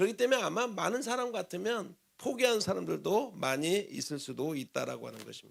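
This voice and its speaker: A man talks at a high pitch and fairly quick pace with hardly any pauses. His pitch swings very widely, and his loudness swings a lot too. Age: 60s. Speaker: pastor. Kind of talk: sermon. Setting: church. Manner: conversational.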